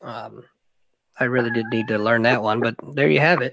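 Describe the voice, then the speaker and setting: Here a man with an American accent speaks at a moderate pace and a medium pitch. The sound is dry with no echo, and the background is quiet. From St. Louis, Missouri; Missouri. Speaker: podcast host, military veteran; podcast host or guest. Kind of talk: casual chat. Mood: relaxed, joking storytelling. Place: home room. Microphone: studio mic.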